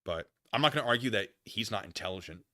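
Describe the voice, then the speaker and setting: A man hosting a casual livestream, thinking out loud in an opinion monologue, often rephrasing and qualifying what he says. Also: fairly low pitch, expressive. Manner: musing, halting, often rephrasing and qualifying himself. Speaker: livestream host. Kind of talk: casual opinion monologue, answering chat comments.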